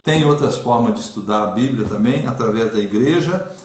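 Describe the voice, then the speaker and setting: A Brazilian Catholic preacher speaking in a casual online chat, earnest and emphatic, repeating phrases for stress. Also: male voice, medium pitch, fairly quick, a little mellow, echoey room, muffled recording, slight background noise.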